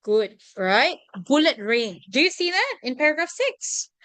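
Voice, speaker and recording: A woman's voice: sits high, unhurried, no echo. A woman tutor with a Singaporean English accent, running an online revision class and checking in with her students after nearly every point. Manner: animated, constantly checking in with "right?" and "okay?". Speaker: tuition teacher.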